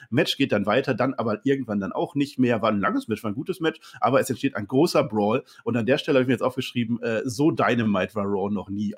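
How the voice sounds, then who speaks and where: A man with a husky, mid-pitched voice rattles through match recaps at speed. He is opinionated and lively in casual podcast chat. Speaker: podcast co-host reviewing wrestling.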